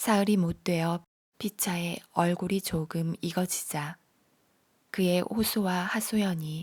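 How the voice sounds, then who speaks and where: Over a silent background in a very clean recording, a woman speaks very slowly in a fairly low, somewhat breathy, calm, soothing voice with monotone, flat intonation. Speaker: audiobook narrator. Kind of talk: audiobook reading of a short story.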